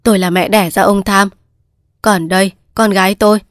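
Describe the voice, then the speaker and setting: A woman reading the part of an angry, sharp-tongued old village mother who scolds bluntly, in a dry recording. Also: mid-range voice, fairly even intonation, moderate pace, no echo, lightly acted. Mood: stubborn.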